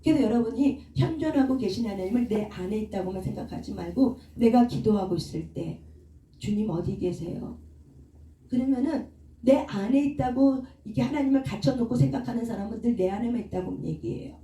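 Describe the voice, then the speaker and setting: A woman with a fairly high, mellow voice leads a prayer meeting in a church prayer room, preaching a sermon, asking the congregation questions and leading call-and-response. The room is echoey and she's far from the mic.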